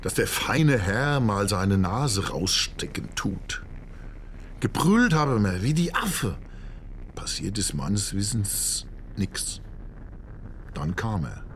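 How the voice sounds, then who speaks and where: Worked up hessian bloke ranting his story, radio play, really animated, bit of background noise. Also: lowish voice, slow. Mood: indignant, excited. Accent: Hessian German. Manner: colloquial, indignant, animated storytelling. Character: agitated local concertgoer, gruffly recounting a rock-show brawl.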